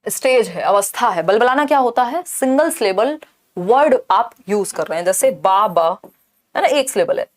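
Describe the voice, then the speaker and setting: A woman's voice: on the high side, animated, normal speed. Woman teaching an exam-prep lesson. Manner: explains step by step, mixing in English terms; asks rhetorical questions and checks in with "thik hai".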